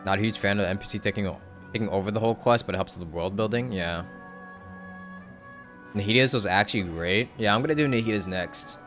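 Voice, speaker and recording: A young man streaming a game and talking over it in a relaxed, rambling way. His voice sits on the lower side, full of "like" and "you know", with occasional swearing. Faint game music plays underneath. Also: fast. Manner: rambling, with hedges, fillers and casual swearing. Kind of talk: casual live-stream commentary.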